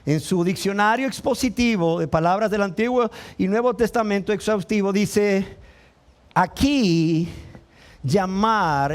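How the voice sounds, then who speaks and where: A man preaches from the pulpit in a high-pitched voice. He delivers his sermon with passion and urgency, often taking on the voices of the people in the story he tells. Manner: impassioned preaching, acting out voices of the crowd and the blind man. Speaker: pastor.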